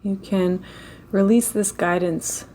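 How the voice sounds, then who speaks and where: A woman leading a slow guided meditation in a gentle, unhurried way, with long pauses between phrases. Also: mid-range voice, fairly even intonation, a little hiss or hum.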